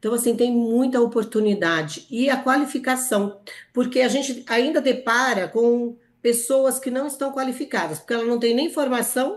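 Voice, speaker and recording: A woman speaks at a moderate pace with a high pitch and ordinary pitch variation. The background is quiet. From interior of Paraná, Brazil. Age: 60s. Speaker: HR company founder. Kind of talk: interview.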